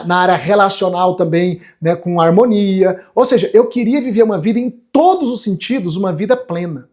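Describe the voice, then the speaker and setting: Running an online self-development class, this Brazilian coach in his forties talks in a voice that sits high yet carries a darkish tone. His motivational live lecture to viewers is earnest and emphatic, with frequent checks for agreement.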